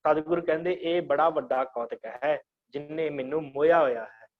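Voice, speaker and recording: A man with a slightly high voice leads a scripture lesson. He chants each verse line slowly, then patiently breaks it down word by word. The audio is dull and lo-fi, like an online class. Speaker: scripture teacher.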